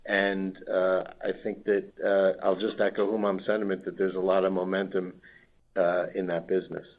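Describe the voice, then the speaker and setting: Male executive, low and flat, corporate earnings call answers on a thin phone line. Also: moderate pace. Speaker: company executive. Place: conference call over phone. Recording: tinny phone conference line.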